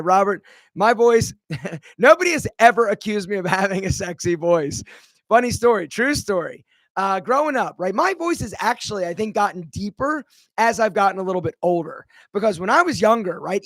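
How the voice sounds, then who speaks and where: A man hosting a casual live Q&A, chatting energetically and greeting viewers by name, his voice rough from seasonal allergies. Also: high voice, no room sound. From Philadelphia. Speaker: livestream host.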